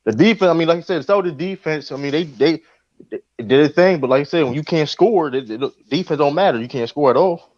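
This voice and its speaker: A man arguing basketball on a live call-in show, animated and profane, talking over the others. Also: fairly high pitch, a little fast, no echo, muffled recording. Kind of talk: heated sports debate.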